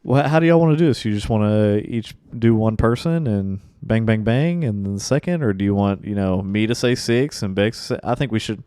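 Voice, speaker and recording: A man with a raspy, tired baritone, hosting a casual sports podcast in a rambling, joking way. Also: fairly quick, hardly any pauses, dark tone, no room sound. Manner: rambling, joking, restarts sentences. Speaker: podcast host.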